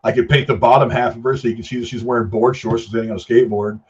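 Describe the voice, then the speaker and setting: A middle-aged man casually giving his opinions in a film discussion, haltingly repeating and rephrasing himself for emphasis. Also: mid-range voice, level tone, a little mellow, slightly rough. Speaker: film review show host. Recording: dull, lo-fi sound.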